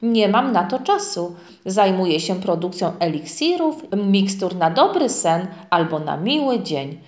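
A woman's voice: mid-range voice, big pitch swings, measured pace. A woman voicing a kindly, cheerful old witch who brews potions in a storybook. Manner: warm, cheerful, smiling. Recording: echoey, dull lo-fi room.

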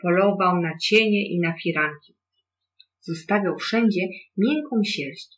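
A storyteller reading a children's story aloud in a calm, even way. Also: medium pitch, measured pace, muffled recording.

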